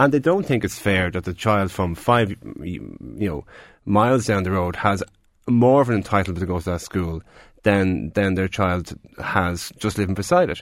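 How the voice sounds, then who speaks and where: A man with an Irish accent, fairly low-pitched, at a moderate pace with ordinary pitch variation, on a very clean recording with a silent background. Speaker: politician. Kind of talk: radio interview. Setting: studio.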